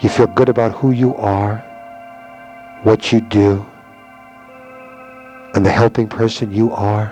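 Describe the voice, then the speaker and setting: A man speaks in a soothing, calm tone with monotone, flat intonation at a fairly slow pace. Long, frequent pauses break up his words while music plays in the background. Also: medium pitch for a man. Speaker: hypnotherapist recording a personalized hypnosis cassette. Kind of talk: hypnotherapy session, guided relaxation. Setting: old cassette tape recording with background music. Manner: slow, soothing, calm, repetitive.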